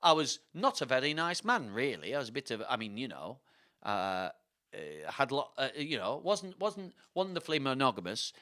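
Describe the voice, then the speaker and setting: Man doing a laddish, roguish king, bright voice. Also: medium pitch, big pitch swings, moderate pace. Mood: sheepish, boastful. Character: laddish, roguish, greedy King Edward the fourth.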